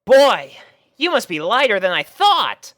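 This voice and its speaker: A man doing a brash tomboy pegasus in falsetto. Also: wildly swooping pitch, measured pace, dry recording, clean studio sound, full character voice. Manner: high strained falsetto, loud and brash. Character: brash tomboyish female pegasus pony, cocky.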